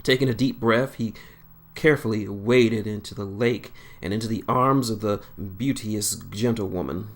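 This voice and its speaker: A man reading his own fan fiction aloud, unhurried and plain, with small slips. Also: fairly low pitch.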